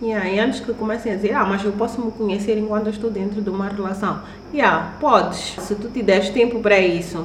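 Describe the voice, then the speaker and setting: Against noticeable background noise and audible room echo, a woman talks at a fairly quick pace, her medium-pitched voice keeping fairly even intonation. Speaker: podcast co-host. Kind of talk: casual chat. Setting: recording on a year-end trip.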